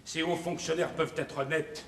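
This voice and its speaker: A man's voice: on the high side, level tone, normal speed, vocal fry, a bit bright, slight background noise. An actor playing a crude, boastful nouveau-riche businessman in a televised 1970s stage comedy. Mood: bossy. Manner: brash, bossy, crude. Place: theatre stage. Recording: roomy stage sound from far off.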